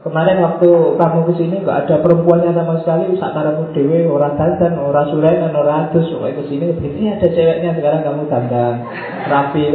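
A man gives a casual philosophy lesson, teasing his listener and slowing down to stress key words. His voice sits a little high. The recording is tinny and phone-like, with heavy room echo. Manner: casual, teasing explanations with slow emphatic stretches. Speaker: philosophy teacher.

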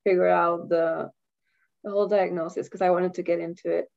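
A young woman speaks English, her voice mellow and rounded. She chats loosely, laughing and letting sentences trail off. The sound is dull and lo-fi. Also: lowish voice, little pitch movement, a little fast, gravelly. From Costa Rica. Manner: chatty, laughs often, trails off mid-sentence. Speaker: guest, university student. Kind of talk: casual interview chat. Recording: dull lo-fi audio.

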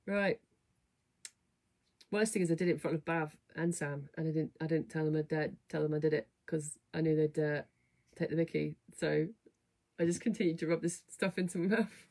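A woman hosting a fitness studio livestream, chatting casually to viewers in a slightly croaky, rough voice, rambling with lots of fillers. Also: sits low, steady tone, moderate pace, a little mellow. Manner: chatty, rambling, self-deprecating, many fillers. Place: home, at a desk. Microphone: webcam or computer mic at a desk.

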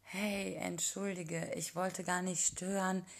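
A woman's voice: fairly low pitch, level tone, slow, gravelly, voice pushed up. A woman voicing a flustered, embarrassed young woman who stammers apologies and drops into whispers.

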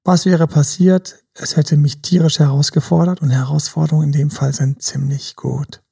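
A man's voice: fairly high pitch, level tone, normal speed, creaky, dark tone, slightly rough. A man, a dating coach, musing in a casual podcast chat and acting out advice to his younger self, now and then dropping into a whisper and slipping in English words. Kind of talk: casual reflective podcast talk.

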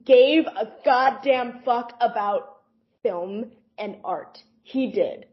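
A woman co-hosting a podcast in casual chat, animated, laughing often and swearing freely. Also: on the high side, takes it slowly. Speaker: podcast co-host. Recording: dull lo-fi podcast audio.

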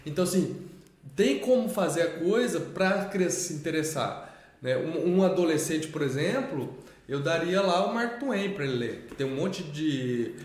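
A man's voice: a little high, lively intonation, moderate pace, darkish tone. A Brazilian man and father of six, explaining patiently in casual talk and checking in with tag questions. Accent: Brazilian Portuguese. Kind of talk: casual conversation. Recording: very echoey room.

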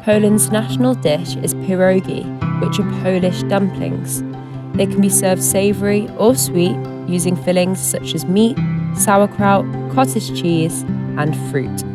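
A woman intern reading out a short scripted segment of facts in a steady way. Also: mid-range voice, a little slow, loud music behind the voice. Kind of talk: read-out fact segment.

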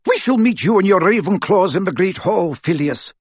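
A man's voice: sits high, expressive, moderate pace, darkish tone, breathy edge, no room sound, voice pushed up. A man doing a stern, commanding old professor woman. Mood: brisk. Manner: clipped, fierce, commanding. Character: stern commanding older Scottish witch professor.

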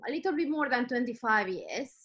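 Woman, middle-aged, Ecuadorian Spanish accent, native Spanish speaker, reflective storyteller, crisp bright tone. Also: fairly high pitch, animated, a little fast, muffled recording. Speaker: guest. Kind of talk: conversational interview answers.

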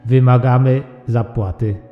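A man voicing an intelligent yogurt that rules with calm, cold superiority in a measured, formal, commanding way for an audio drama. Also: mid-range voice, close to an everyday voice. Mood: calm demand. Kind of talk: audio drama character acting. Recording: muffled, long echoing reverb, faint music behind.

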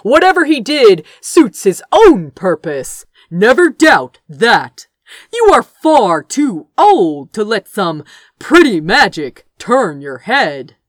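A woman's voice: mid-range voice, very animated, slow, no room sound, clean studio sound. A woman voicing a smug, impatient royal brother in an audiobook, curt, scoffing and patronizing. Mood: condescending. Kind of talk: dramatic audiobook character dialogue.

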